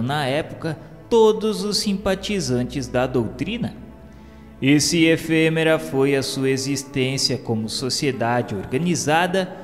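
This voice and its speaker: A Brazilian man reading a scripted radio narration in a solemn, formal, measured way. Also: medium pitch. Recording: long reverb, music behind the voice. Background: music.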